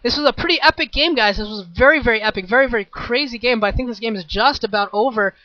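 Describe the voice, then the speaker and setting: A man casting a video game match solo, rambling and repeating words, with excited bursts and a voice starting to tire. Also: very high voice, fast talker, dry recording, lo-fi sound. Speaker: esports caster. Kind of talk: solo play-by-play commentary.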